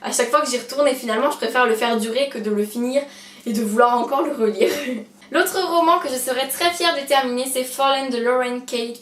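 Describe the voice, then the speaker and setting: Chatty young woman, echoey room. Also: on the high side. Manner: chatty, hesitant, lots of fillers, self-mocking. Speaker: book vlogger. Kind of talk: casual chat to camera. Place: room at home beside her bookshelf. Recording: roomy echo, distant mic, faint hiss.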